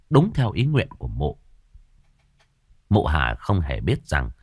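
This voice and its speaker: Expressive man narrating a horror story. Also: low voice, slightly rough, no echo, studio quality. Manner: expressive, swinging dramatic delivery.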